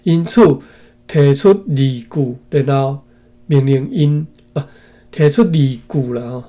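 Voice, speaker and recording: A man from Taiwan with a warm, mid-range voice reads a historical text aloud slowly, in short phrases. He pauses often to comment, adding frequent tag particles.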